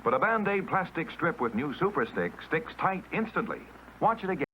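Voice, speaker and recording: A man announcing a 1950s TV commercial in an emphatic, punchy sales-pitch manner. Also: sing-song, a little fast, bright, forceful tone, slight background noise, low-quality recording.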